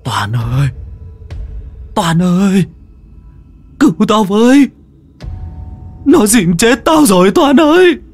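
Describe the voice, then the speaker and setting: A man's voice: medium pitch, fairly even intonation, normal speed, few pauses, breathy edge, faint music behind. A man voicing an older drowning man who wails and cries for help in a ghost story. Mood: wailing. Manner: wailing, crying.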